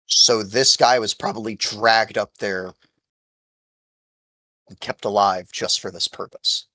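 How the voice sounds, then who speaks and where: A man's voice: on the low side, fairly even intonation, slow pace, pushed and bright, no room sound. A man narrating a tabletop role-playing game as game master.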